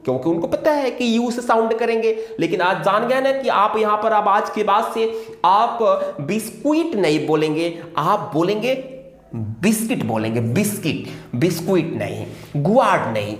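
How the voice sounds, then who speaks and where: A teacher walks through a spelling rule, voice rising and falling in a lively, sing-song way. They ask and answer their own questions as they repeat every point. The sound bounces around an echoey room. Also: mid-range voice, moderate pace. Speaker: English teacher. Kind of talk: explaining spelling rules in a video lesson.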